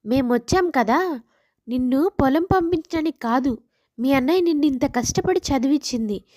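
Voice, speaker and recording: A woman's voice: high voice, animated, normal speed, a little mellow, no echo, clean studio sound. A woman voicing a kind, motherly village sister-in-law in a moral story, affectionate and encouraging. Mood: caring, encouraging.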